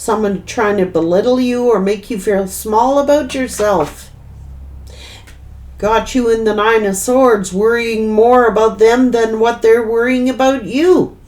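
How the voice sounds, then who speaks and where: Blunt, slow-talking woman tarot reader. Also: fairly high pitch, a little mellow. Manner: blunt, scolding, emphatic with mild swearing. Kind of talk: tarot reading to camera.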